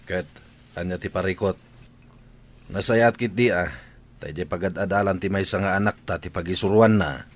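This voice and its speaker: A man voicing a calm husband who teases and reasons with his wife. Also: low-pitched, normal speed, pauses often. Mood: teasing.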